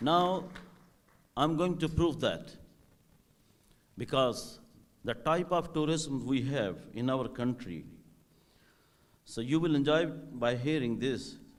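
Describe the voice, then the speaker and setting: A man with a Pakistani accent speaks very slowly in a fairly high voice with ordinary pitch variation, taking long, frequent pauses amid audible room echo. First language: Urdu. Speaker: tourism official. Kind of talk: formal speech. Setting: stage with audience at hotel event.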